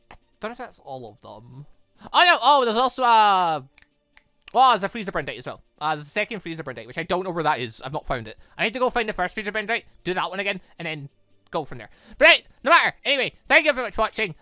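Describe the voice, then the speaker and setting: An excitable, rambling gaming channel host giving casual let's play commentary, prone to breaking into laughter, on a close mic. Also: mid-range voice, no echo.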